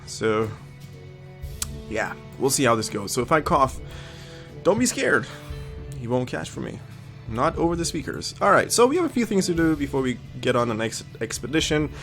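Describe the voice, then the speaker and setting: A man's voice: medium pitch, very animated, normal speed, gravelly, fairly bright tone, soft background music. A man hosting a let's-play video, a little sniffly from a cold, thinking aloud and reading game text with frequent ums. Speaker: gaming video host. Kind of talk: casual let's-play commentary.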